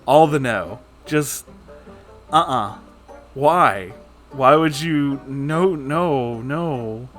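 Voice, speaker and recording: A man talks casually to his audience as a host giving commentary. His delivery is informal and rambling, peppered with joking asides and swearing. His voice sits at an average pitch, with light music playing behind it. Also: drawn-out words, a bit bright. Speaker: host reading and reacting to stories.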